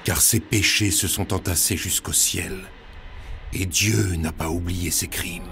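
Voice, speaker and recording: An ominous low-voiced prophet of doom. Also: male voice, fairly even intonation, measured pace, creaky, sharp tone, soft background music, heavily acted. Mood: dark, ominous. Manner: declamatory, ominous, incantatory. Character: thundering biblical prophet proclaiming doom. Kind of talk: dramatic scripture recitation in audio fiction.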